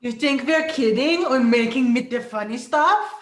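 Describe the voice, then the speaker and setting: A woman's voice: sits high, moderate pace, natural voice. A woman playing a threatening, dim-witted nihilist henchman in a table read. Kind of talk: amateur virtual table read. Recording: echoey room.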